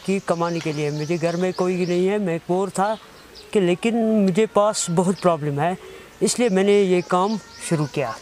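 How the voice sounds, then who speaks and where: High-voiced Kashmiri man, halting and earnest. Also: a little mellow, a little hiss or hum. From Kashmir, India. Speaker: interviewee, mobile phone mechanic. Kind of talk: earnest interview answers. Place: outdoors on a lawn beside a wooden house.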